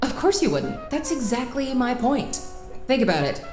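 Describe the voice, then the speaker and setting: Opinionated woman, swooping lively pitch, bossy playful teasing, naturalistic audio drama, roomy echo. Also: moderate pace, music in the background. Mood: insistent, lecturing. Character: opinionated, teasing adult woman, animated over wine.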